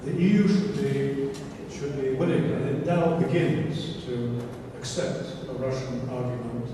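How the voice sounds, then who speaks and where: A middle-aged man from Belgium speaks at a panel, pressing his points bluntly between ums and uhs. His voice sits in a long, echoing hall, caught from far off the mic. Steady room noise runs underneath. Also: mid-range voice, measured pace. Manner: emphatic, blunt asides, frequent fillers. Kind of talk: policy discussion talk. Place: large conference hall. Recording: echoey hall, picked up from far off.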